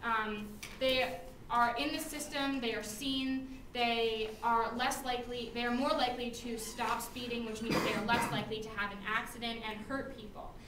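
A woman's intonation stays fairly even while noticeable noise sounds behind her. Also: moderate pace. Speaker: debater. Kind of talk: competitive debate speech. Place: classroom. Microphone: camera far.

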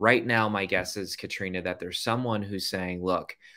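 A man with an American accent speaks at a fairly low pitch in an energetic, bright, sharp tone. The background is quiet. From Wisconsin. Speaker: author and livestream host; livestream host. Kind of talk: livestream interview. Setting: video livestream. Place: home room.

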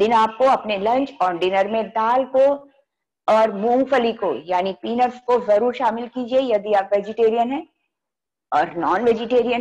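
A woman speaking at a very slow pace, with ordinary pitch variation. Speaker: fitness instructor. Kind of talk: tutorial. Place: home room. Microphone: camera far.

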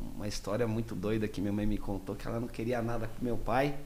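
A man with fairly even intonation, against light background noise. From São Paulo city, Zona Norte; São Paulo, Brazil. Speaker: entrepreneur, former drug addict; podcast guest. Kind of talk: casual interview testimony. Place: studio. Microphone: studio mic.

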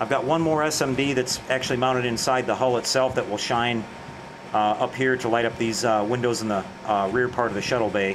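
A man speaks at a fairly quick pace with very even loudness. Noticeable background noise runs underneath. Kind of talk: tutorial. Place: workshop.

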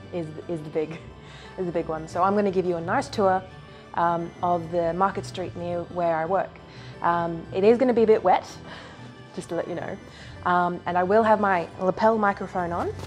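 A woman with a fairly low pitch speaks at a moderate pace and fairly even intonation, leaving long, frequent pauses while faint music plays in the background. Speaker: small business video coach. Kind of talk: casual vlog chat. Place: street. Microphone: phone near.

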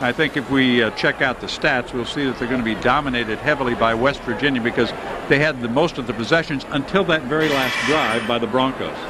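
Noticeable background noise runs under the recording. A man speaks very fast with fairly even intonation. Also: medium pitch for a man. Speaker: play-by-play announcer. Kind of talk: live commentary. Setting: broadcast booth at stadium.

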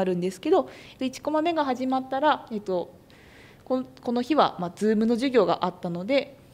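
She speaks at a moderate pace. This woman's intonation is lively. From Japan, outside Yamagata. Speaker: university student. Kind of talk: presentation. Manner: halting, many fillers.

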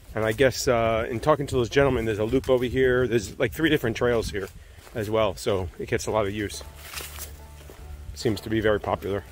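Over faint music in the background, a man speaks at a very fast pace with ordinary pitch variation in a dry sound with no echo. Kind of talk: casual vlog chat. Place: forest. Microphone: earbuds.

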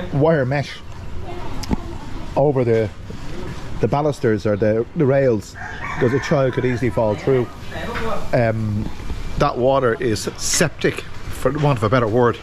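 A man's very evenly loud voice with ordinary pitch variation and long, frequent pauses, against noticeable background noise. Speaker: vlogger showing his home. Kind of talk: casual vlog chat. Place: street. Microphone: phone near.

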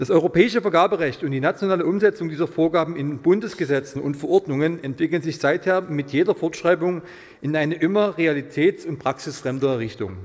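Quick-paced and high-pitched, a man talks with ordinary pitch variation. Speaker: city council member. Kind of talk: political speech. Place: hall. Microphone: podium.

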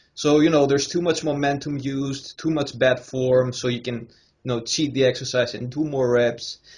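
The voice is somewhat breathy, with monotone, flat intonation. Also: man, fairly high pitch for a man, moderate pace. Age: 30s. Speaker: fitness podcast host. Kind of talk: interview. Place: home room. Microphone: video call.

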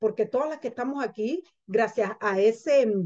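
A woman speaks at a fairly slow pace with a fairly high pitch and lively intonation. The background is quiet. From Cuba. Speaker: direct sales representative. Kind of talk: sales pitch. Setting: group call. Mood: enthusiastic, persuasive. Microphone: video call.

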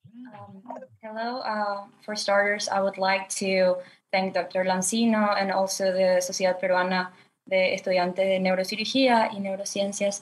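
With a Spanish accent, a woman keeps a moderate pace in monotone, flat intonation. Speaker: medical student. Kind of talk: question at online lecture. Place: home room. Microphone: video call.

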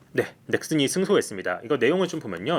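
A man talks at a very fast pace with vocal fry. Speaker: financial news reporter. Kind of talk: explainer video on finance. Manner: informative, measured with fillers.

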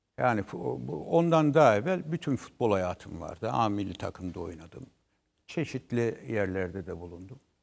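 A man's fairly low voice with vocal fry, very wide pitch swings and big swings in loudness, at a moderate pace. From Turkey. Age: 60s. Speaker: former football coach. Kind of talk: interview. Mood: earnest, somewhat aggrieved. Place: studio. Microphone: lapel.

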